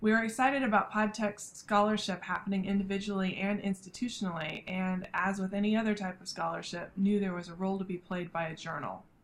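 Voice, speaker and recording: A woman speaks at a very fast pace with hardly any pauses. Her voice is somewhat breathy and her intonation fairly even. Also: medium pitch for a woman. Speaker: English professor. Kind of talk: scripted co-presentation.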